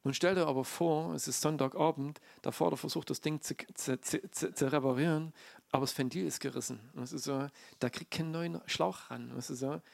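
A man's voice: on the high side, fairly quick, vocal fry, no echo. A man preaching an informal sermon, chatty, with many fillers and restarts.

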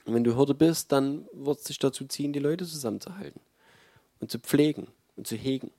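A man preaching a sermon in a relaxed, mellow voice, talking to his congregation in a conversational and emphatic way with frequent fillers. The sound is dry and close, with little room around it. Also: mid-range voice, brisk, no echo.

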